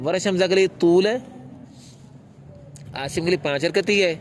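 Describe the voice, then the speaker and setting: A man with a high-sitting voice teaches the rules of Quran recitation, posing questions to his students and answering them himself. He briefly chants a recitation as a demonstration, with slight background noise in the recording.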